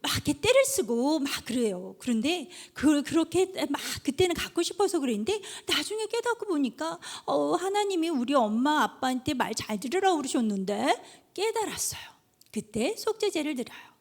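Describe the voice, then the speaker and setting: Woman preacher, kids' sermon, high voice, very animated delivery. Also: normal speed. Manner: animated storytelling, addresses children directly. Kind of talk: children's sermon.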